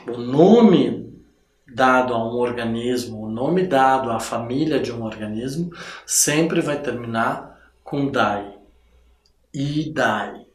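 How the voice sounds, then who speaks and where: Slow, deliberate male teacher. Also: mid-range voice, reverberant. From southern Brazil. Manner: explains slowly, tags phrases with "tá?" and "né?". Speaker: biology teacher. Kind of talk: recorded online lesson.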